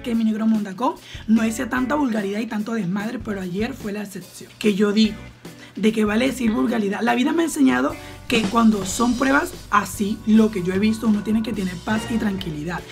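A woman's voice: a little high, fast talker. A young Colombian woman with a Colombian accent, giving outspoken, gossipy reaction commentary and swearing freely. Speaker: reaction vlogger. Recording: clear background music. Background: music playing.

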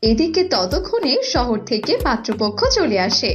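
A woman's voice: on the high side, animated, normal speed, soft background music. A woman narrating a scripted cartoon fairy tale as storyteller.

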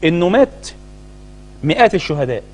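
A man's voice: high voice, big pitch swings, fairly quick, a little mellow. A middle-aged man with an Egyptian accent, a Muslim cleric co-hosting a talk show, firing off indignant rhetorical questions. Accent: Egyptian Arabic. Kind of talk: heated studio talk-show commentary.

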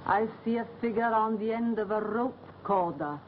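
An actress playing an old gypsy fortune teller who speaks in portentous, foreboding melodrama style. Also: female voice, mid-range voice, normal speed, lightly acted. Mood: ominous, foreboding. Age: older. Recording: muffled, hissy old film soundtrack.

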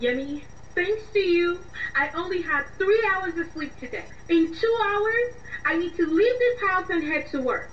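A woman's voice: very high voice, lively intonation, a little slow. An actress playing a weary, exasperated young woman in a radio drama, with an emotional, reproachful delivery. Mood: bitter, angry. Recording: dull, noisy, echoey, distant mic.

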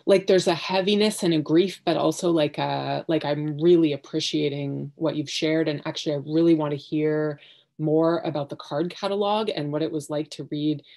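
A woman in her thirties sharing her thoughts on a video call from home, halting and searching for words, with many fillers and restarts. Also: deep voice, fairly even intonation, darkish tone. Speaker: workshop participant. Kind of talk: hesitant reflective sharing. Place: home living room.

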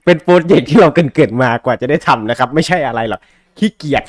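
A male podcast host. His voice sits at a medium pitch. He chats casually and bluntly, throwing in slang and jokes. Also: animated, quick pace. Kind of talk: casual chat about comic books.

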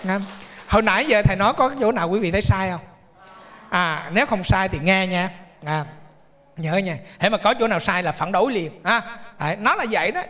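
A man's voice: high-pitched, brisk, a bit bright. A Buddhist monk gives a chatty, storytelling sermon, joking and asking his audience questions. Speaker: Buddhist monk giving a dharma talk. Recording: reverberant temple hall.

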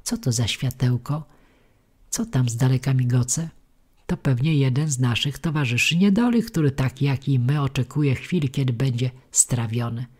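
A woman's voice: extremely low pitch, moderate pace, warm tone, breathy edge. A woman voicing a frightened, tearful wooden puppet boy who pleads and frets in a storybook reading. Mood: eager. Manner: panicky, pleading.

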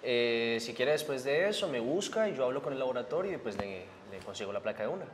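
A man's voice: mid-range voice, animated, fast, slight background noise. A young man playing a doctor, formal and a bit hesitant, greeting visitors in a clinic office. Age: young adult. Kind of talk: staged short drama.

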